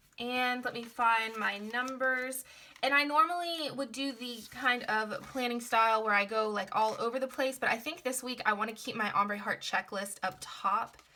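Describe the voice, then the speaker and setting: Against noticeable background noise, a woman with a high pitch speaks at a moderate pace with ordinary pitch variation and hardly any pauses. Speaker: planner vlogger. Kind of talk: casual tutorial. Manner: casual, hesitant.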